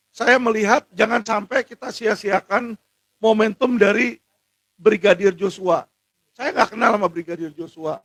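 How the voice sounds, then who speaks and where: An indignant man delivers a heated monologue, his voice pitched high for a man and often climbing into shouts. The sound is close and dry, with no room echo. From Indonesia. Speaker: lawyer speaking out on legal injustice. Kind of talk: impassioned monologue to camera.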